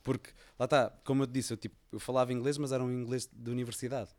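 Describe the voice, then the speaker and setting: A man's voice: medium pitch, rapid-fire. Man, European Portuguese accent, podcast guest, casual storytelling, lots of fillers. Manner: relaxed storytelling, many fillers and restarts. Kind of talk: casual conversation.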